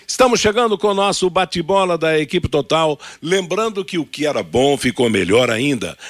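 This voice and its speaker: A Brazilian man with a slightly husky voice, presenting headlines and talk as a sports radio host. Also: fairly high pitch, no room sound.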